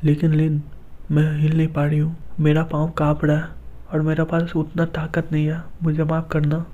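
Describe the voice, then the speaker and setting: A man's voice: a little high, monotone, moderate pace, warm tone, lightly acted. A man reading as a timid young woman. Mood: relieved, timid. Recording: dull lo-fi recording.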